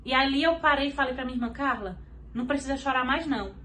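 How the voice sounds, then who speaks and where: Brazilian woman guest on a podcast, earnest testimony, voice on the higher side, acts out the people in her story. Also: fast talker, fairly bright tone, a little hiss or hum. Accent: Brazilian Portuguese. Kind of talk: personal faith testimony.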